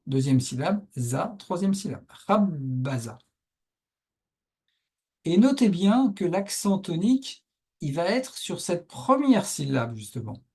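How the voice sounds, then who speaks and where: Man teaching in a husky voice. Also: on the high side, mellow. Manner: patient, step-by-step, frequent "hein" and "voilà". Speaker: Arabic teacher. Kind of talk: explanatory lesson narration over on-screen writing.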